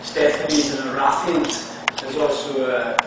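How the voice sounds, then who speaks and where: A man's voice: medium pitch, flat delivery, moderate pace. A male actor talking on a convention panel, rambling and joking with frequent laughs. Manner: jokey, rambling, laughs often. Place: large convention hall stage. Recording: echoey hall from far off, noisy.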